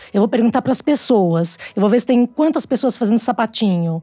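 A woman speaks very fast with a fairly high pitch, a dark, mellow tone and lively intonation, recorded dry and close with no echo. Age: 60s. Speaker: screenwriter and writer. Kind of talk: casual chat.

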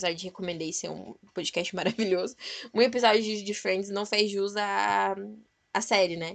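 Against a quiet background, a woman at medium pitch talks at a moderate pace with fairly even intonation. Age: 20s. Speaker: university student, podcast guest. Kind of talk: casual chat.

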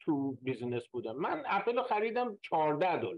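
A man at a fairly slow pace with very wide pitch swings. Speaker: retail investor, former computer worker. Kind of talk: casual chat about stock investing.

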